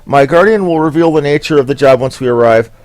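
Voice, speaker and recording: A man's voice: fairly high pitch, fast talker, a little mellow, no room sound, close to an everyday voice. A man reading out an anxious young squire in a polite, pleading manner.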